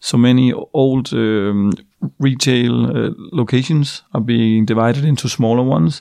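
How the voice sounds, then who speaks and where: The speaker talks at a fairly slow pace with very even loudness, in a Danish accent. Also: man, medium pitch for a man, ordinary pitch variation. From southern Denmark. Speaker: company CEO. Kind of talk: casual interview. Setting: office.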